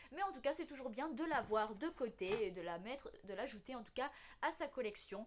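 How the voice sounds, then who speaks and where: Her pitch high with very wide swings, a woman speaks at a fairly quick pace. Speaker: YouTuber, coin collector. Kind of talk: casual video presentation. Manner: stumbling over words.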